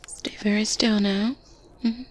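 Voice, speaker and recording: A woman voices a gently teasing, strict-but-kind good witch for ASMR, her breathy whisper close on a binaural mic over ambient background noise and medieval ambience. Her mid-range voice stays lightly acted with little pitch movement. She sounds soothing and assured, slow and gentle, with murmured hums and quiet chuckles.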